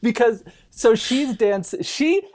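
A man talking casually about films as a podcast guest, rambling and halting in an amused way. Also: very high voice, expressive, a little mellow, slight background noise. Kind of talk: casual film chat.

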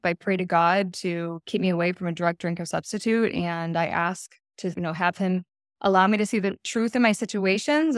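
A woman's voice: mid-range voice, no echo, studio quality. A woman in her thirties, a podcast guest, telling her recovery story in an earnest, reflective way. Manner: earnest, reflective, speaks in short plain sentences. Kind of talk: candid personal recovery story.

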